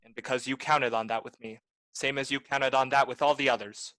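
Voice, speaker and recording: A man's voice: medium pitch, fairly even intonation, fairly quick, pushed and bright, no echo, lightly acted. Hard-boiled radio detective, acted by a man: cynical, tough, blunt, recorded dry. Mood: bitter, resolute. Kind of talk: 1940s film noir radio acting.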